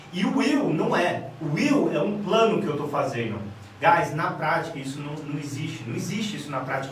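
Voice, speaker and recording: A man with a Brazilian Portuguese accent teaching an English lesson on video, emphatic, repeating "guys" and drilling examples slowly. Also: high-pitched, slight background noise. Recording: very echoey room, distant from the mic.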